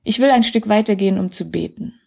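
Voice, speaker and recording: A woman voicing Jesus, gentle and sorrowful. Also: medium pitch, quick pace, creaky, husky. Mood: earnest.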